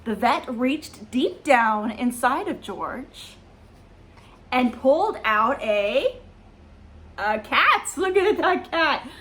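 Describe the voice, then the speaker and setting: A young woman hosting a children's storytime, cheerful and questioning like a teacher. Her voice is high and bounces around in pitch. She talks slowly and clearly for little listeners. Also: expressive, fairly bright tone. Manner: cheerful, questioning, sing-song teacher talk. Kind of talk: reading a picture book to children.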